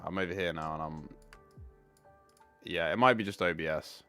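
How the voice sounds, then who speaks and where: Male streamer, low clear voice, loose rambling chat over faint music. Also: normal speed, pushed and bright. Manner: rambling, fixing tech while talking. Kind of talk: casual live stream chat.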